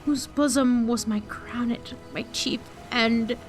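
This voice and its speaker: High-voiced, betrayed Antony played by a woman. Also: steady tone, takes it slowly, music in the background. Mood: bitter despair. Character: proud betrayed Roman general Antony, passionate and bitter. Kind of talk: Shakespearean audio drama acting.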